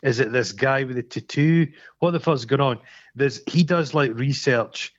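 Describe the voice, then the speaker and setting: A man's voice: mid-range voice, moderate pace, no echo. A middle-aged Scottish man co-hosting a casual film review chat, retelling scenes with swearing and acted quotes. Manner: animated storyteller, sweary, acts out quotes. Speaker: podcast co-host. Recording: dull lo-fi dry sound.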